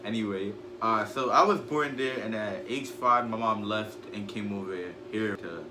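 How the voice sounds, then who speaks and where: A man's voice: fairly low pitch, normal speed. A fifteen-year-old boy from Guyana answering interview questions in an outspoken, talkative way. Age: teens. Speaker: student guest. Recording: echoey room with noise.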